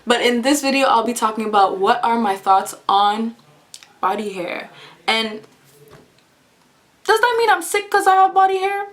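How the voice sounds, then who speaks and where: A woman's voice: on the high side, expressive, normal speed, pauses often, a bit bright. A young woman vlogging to camera in a casual, earnest way, often laughing and repeating her phrases.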